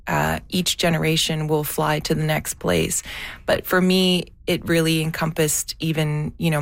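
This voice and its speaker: A low-pitched woman with a gravelly edge talks through her answers slowly and thoughtfully. She hesitates and restarts as she works out what she means. The recording is dry and close. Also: dry recording. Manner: thoughtful, searching for words, many fillers and restarts. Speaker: documentary filmmaker, guest. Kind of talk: reflective interview answers.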